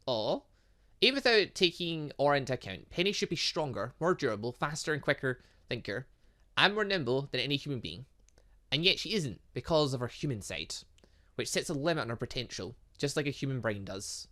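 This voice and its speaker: A man voicing a scientist father from a visual novel, explaining things in a measured, lecturing way. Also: medium pitch, big pitch swings, pushed and bright. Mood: explanatory. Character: scientist father of a robot girl, explaining patiently. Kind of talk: reading visual novel dialogue aloud.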